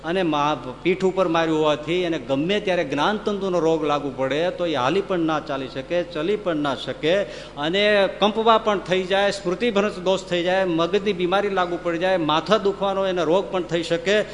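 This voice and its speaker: A man's voice: sits high, steady tone, moderate pace, long reverb tail, a little hiss or hum, lightly acted. A man voicing a scheming male lawyer who pleads in court with dramatic overstatement. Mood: theatrical.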